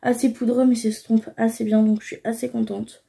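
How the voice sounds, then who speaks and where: A woman's voice: on the high side, level tone, normal speed, vocal fry, dark tone, husky. A young woman casually talking through her makeup routine, explaining each step with frequent fillers. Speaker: beauty vlogger.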